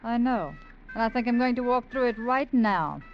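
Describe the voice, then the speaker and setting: A woman's voice: on the high side, expressive, moderate pace, soft background music. An actress playing a fed-up young showgirl with a cutting, sarcastic manner in a 1950s radio drama. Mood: scornful. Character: fed-up young woman showgirl, sharp-tongued. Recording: dull old radio recording.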